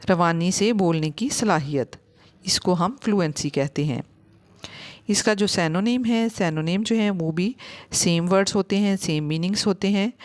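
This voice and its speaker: Slow, low-voiced woman teaching vocabulary. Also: a little mellow. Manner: repeats words slowly for learners. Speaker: English teacher. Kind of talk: vocabulary lesson.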